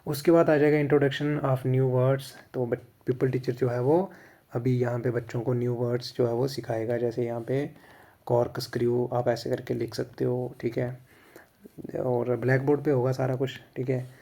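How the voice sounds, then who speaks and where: A man's voice: mid-range voice, level tone, moderate pace, warm tone. A man with an Indian accent explains a lesson plan in casual instructional Hindi mixed with English, often checking "theek hai".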